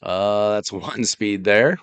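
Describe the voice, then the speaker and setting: A man live-streaming a game, thinking aloud in a relaxed, casual way while his voice is going. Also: on the low side, slow pace, smooth, dry recording. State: losing his voice.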